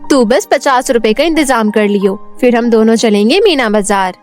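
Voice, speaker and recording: A woman's voice: a little high, animated, normal speed, darkish tone, soft background music, close to an everyday voice. A woman voicing a chatty, eager schoolgirl, a helpful friend in a cartoon story, bubbly and confiding. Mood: eager, reassuring. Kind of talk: Hindi cartoon storybook acting.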